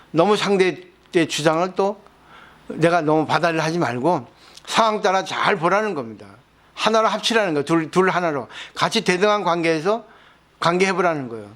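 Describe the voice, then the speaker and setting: A man's voice: high voice, a bit bright. A man, a Buddhist monk, lecturing on scripture, explaining with everyday examples and asking his listeners rhetorical questions. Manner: asks the audience rhetorical questions.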